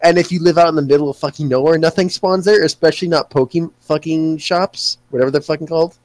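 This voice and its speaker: A young man hosting a casual chat, rambling excitedly and swearing freely. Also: on the high side, quick pace, no room sound.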